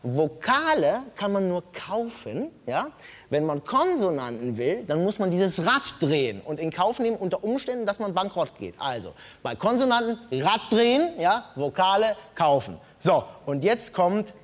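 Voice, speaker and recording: A man's voice: high-pitched, very animated, normal speed. A man hosting a late-night comedy show, explaining the rules with mock earnestness to a live studio audience. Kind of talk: comic studio presentation.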